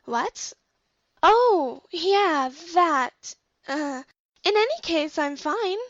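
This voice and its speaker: A very high, slightly muffled young woman's voice, performed by an actress for an audio drama. She is an impatient clone, curt and defiant, with a threatening edge. The recording is dull and lo-fi. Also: lively intonation, extremely slow, a bit bright, full character voice.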